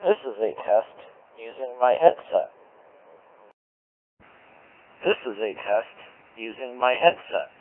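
A man slowly reading out a microphone test, his voice compressed through a filtered radio codec. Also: medium pitch, lively intonation. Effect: compressed radio codec with band filters. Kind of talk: slow microphone test readout. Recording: muffled, phone-like, band-filtered codec audio.

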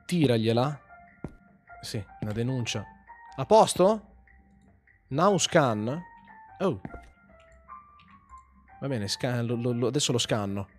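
A man giving joking, swearing commentary over a horror game, yelling when startled. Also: medium pitch, expressive, slow pace, long pauses, soft background music. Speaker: gaming host. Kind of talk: horror let's play commentary.

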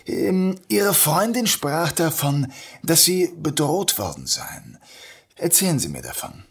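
An actor playing a courteous, probing young police inspector in a sci-fi audio drama, speaking formally with a husky voice. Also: male voice, a little high, sing-song, takes it slowly, exaggerated voice. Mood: polite, businesslike. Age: young adult.

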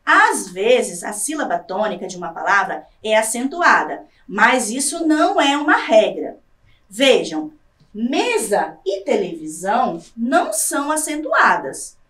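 A woman with a Brazilian Portuguese accent teaching a scripted televised lesson, drawing out example words slowly to stress syllables. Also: fairly high pitch, big pitch swings, a bit bright, echoey room, distant mic.

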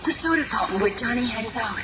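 An actress playing an earnest, protective young superheroine in 1970s radio drama, speaking emphatically on an old, noisy recording. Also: female voice, fairly high pitch, animated, fast talker, lo-fi sound, close to an everyday voice. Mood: searching.

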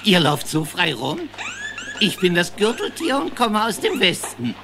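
An easygoing armadillo in a children's audio drama. The voice is lowish and very animated, with a grumbly, folksy wryness. A faint noise sits behind it. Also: female voice, measured pace, exaggerated voice. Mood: wry, grumbly.

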